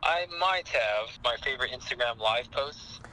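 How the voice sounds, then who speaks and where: A man heard through a speakerphone, talking casually as a guest fishing expert with dry, deadpan humor. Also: mid-range voice, moderate pace, rough recording. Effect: speakerphone call. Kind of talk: casual phone conversation.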